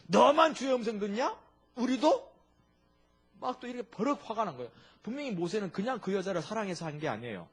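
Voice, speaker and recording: A male pastor preaches with a lively, swinging delivery and a somewhat high voice. His tone is husky, and he keeps firing rhetorical questions at the congregation. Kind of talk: sermon.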